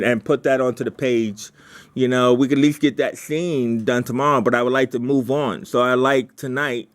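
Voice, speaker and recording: A man with a mid-range voice leads a writers' meeting, speaking casually and haltingly. He brainstorms by thinking aloud, often repeating himself.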